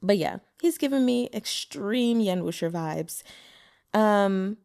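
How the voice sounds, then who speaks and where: Woman narrator, casual and chatty, explaining words between chapters; dry, mid-pitched read. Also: animated, takes it slowly, vocal fry, darkish tone, clean tone, no room sound. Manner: chatty, explains Mandarin terms, laughs often. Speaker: audiobook narrator.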